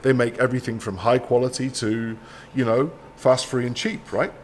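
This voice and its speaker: A man's voice: medium pitch, little pitch movement, normal speed, a little mellow, slight background noise. A man speaking as a guest in a casual conversation, reasoning aloud in a chatty way with many "like"s and "right?"s. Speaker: guest, professor.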